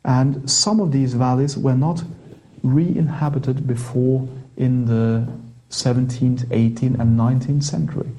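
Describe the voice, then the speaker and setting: Man, Norwegian accent, priest, warm mellow tone, chatty with restarts. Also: medium pitch, steady tone, low-quality recording. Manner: chatty, halting restarts, light laughter. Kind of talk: interview guest explaining history.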